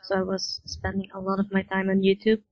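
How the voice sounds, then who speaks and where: Even-toned woman, lo-fi audio. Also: medium pitch, brisk, dry recording. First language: Dutch. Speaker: podcast guest, forum admin. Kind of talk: casual interview chat.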